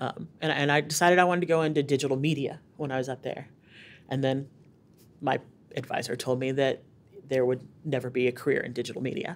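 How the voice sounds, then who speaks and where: Speaking at a very fast pace with an American accent, the voice still leaves long, frequent pauses. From Ohio, US. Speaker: interview guest. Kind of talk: personal interview. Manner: halting, many fillers.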